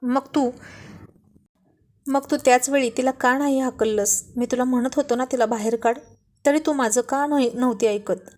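A woman's voice: sits high, fairly even intonation, normal speed, a little mellow, lightly acted. A woman voicing a playful, teasing young husband in a read-aloud love story. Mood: puzzled. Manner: teasing, pleading. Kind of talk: storybook reading.

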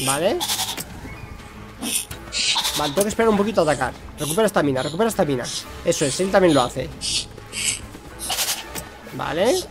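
Young male streamer, high and animated, excitable running play-by-play. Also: brisk, long pauses, music in the background. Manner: excitable, talks to himself and the creatures. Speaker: gaming streamer. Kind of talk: live gameplay commentary.

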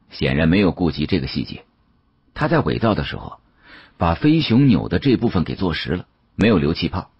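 A man plays a savvy, guarded young antique dealer in an audiobook. He speaks in a low, husky voice with very animated intonation. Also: no room sound, muffled recording, heavily acted.

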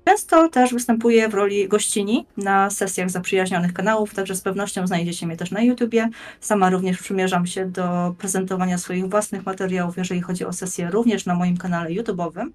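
A woman in her thirties speaking as a guest, explaining things in a measured, articulate and rather formal way. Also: mid-range voice, fairly even intonation. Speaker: guest, blogger and game master. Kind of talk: conversational explanatory presentation. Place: plain room indoors, on video call.

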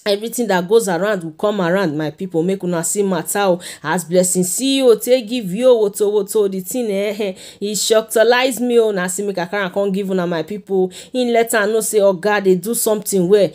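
A Nigerian woman hosts a celebrity gossip channel in a chatty voice-over. She keeps turning to her viewers as her people. Her pitch sits at an ordinary middle level for a woman. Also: a little fast, few pauses, darkish tone. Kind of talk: casual gossip commentary.

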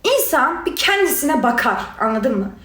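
Young woman, high-pitched, angry livestream rant, sarcastic and scolding, echoey room. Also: sing-song, moderate pace, fairly bright tone. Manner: heated, sarcastic, scolding, addresses viewers directly. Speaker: reality show contestant answering critics.

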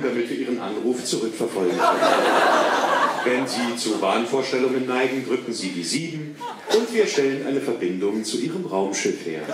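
A man reading out a deadpan parody hotline message as an answering machine recording, in a formal announcer manner. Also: mid-range voice. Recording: echoey, distant, noisy recording.

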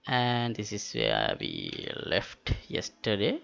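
A man walks through a software tutorial, slowly and haltingly. His voice has a creaky edge and stays matter-of-fact. The recording is dull and lo-fi. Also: on the low side, wildly swooping pitch. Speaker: tutorial host. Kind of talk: step-by-step software tutorial narration. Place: indoors, screen-recording voice-over. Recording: dull lo-fi voice-over with clicks.

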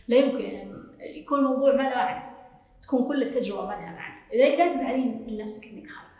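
Fast, echoey Gulf Arabic woman. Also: fairly high pitch, a little mellow. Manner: emphatic, repeats points, reassuring. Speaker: self-development coach answering questions. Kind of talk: casual Q&A talk. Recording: very echoey long reverb.

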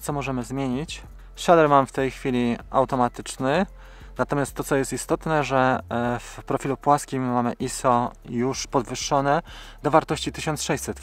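A man in his forties gives a practical, step-by-step tutorial commentary while flying a drone outdoors, with filler sounds between phrases. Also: medium pitch. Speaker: drone video creator. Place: outdoors in open grassland.

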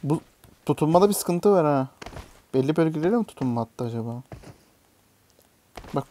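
A young gaming YouTuber with a fairly high, mellow voice and lively intonation gives casual commentary at a moderate pace while playing a mobile game. He mutters to himself, swearing or yelping whenever a jump fails. A little hiss or hum sits in the recording.

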